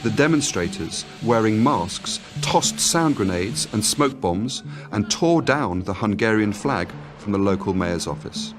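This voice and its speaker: A man giving scripted documentary narration in a measured, formal reading, also voicing translated quotes. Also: fairly low pitch, animated. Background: music bed.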